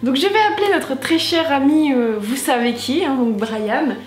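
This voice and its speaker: A woman's voice: high-pitched, moderate pace, faint music behind. A woman youtuber chatting enthusiastically as she opens a gift and reads a letter aloud. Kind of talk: casual vlog unboxing. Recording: roomy echo.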